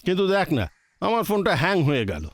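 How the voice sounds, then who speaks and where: A man's voice: high voice, huge pitch swings, no room sound, studio quality, heavily acted. An actor playing a teasing, mildly strict but indulgent middle-aged father in a film family drama, musing with hums. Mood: teasing, relaxed. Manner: chuckling, drawn-out musing with hums and English phrases. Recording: film dialogue under loud music.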